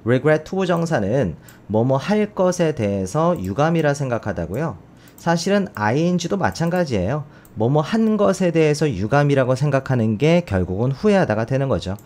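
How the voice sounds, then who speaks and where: Man, teacher, recorded lesson, lively pitch, slow repeated word drills, keyboard typing behind. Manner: explains step by step, models English words slowly and repeatedly. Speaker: English teacher. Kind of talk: recorded vocabulary and pronunciation lesson.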